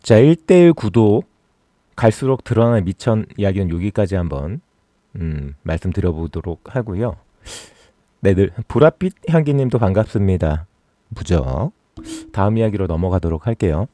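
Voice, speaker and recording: A man's voice: low voice, animated, normal speed, warm tone, dry recording. Guy hosting a political stream, sarcastic and mocky, voice swings up and down a lot, dry close sound. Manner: sarcastic, mocking, rising to exasperated rants. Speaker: political YouTube host. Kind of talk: casual political commentary livestream.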